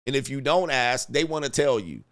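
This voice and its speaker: Animated laughing livestream host. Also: male voice, medium pitch, fairly quick. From Southern California. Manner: animated, laughing, mocking asides. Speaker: livestream host reading super chats. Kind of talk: casual livestream commentary.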